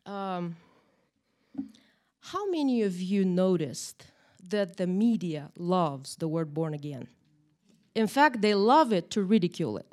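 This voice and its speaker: A woman's voice: lowish voice, slow, long pauses. Chatty woman teaching a Bible class. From Moldova. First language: Russian or Romanian. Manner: chatty, animated, tag questions. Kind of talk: church Bible lesson. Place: church room, in front of a group.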